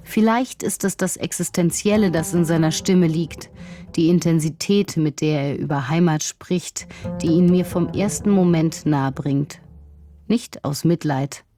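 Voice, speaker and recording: A woman narrating a personal documentary in a calm, measured, reflective first-person voice. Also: deep voice, music in the background. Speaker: journalist and narrator.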